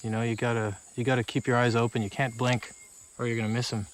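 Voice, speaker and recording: A man's voice: medium pitch, level tone, quick pace, slight background noise. A man chatting casually as a field researcher.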